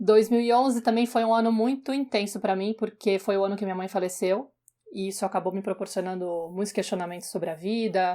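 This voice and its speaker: The voice has a dark, mellow tone and fairly even intonation, moving at a fairly quick pace. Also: woman, very clean recording, silent background. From São Paulo, Brazil. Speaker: podcast host, journalist. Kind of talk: podcast self-introduction.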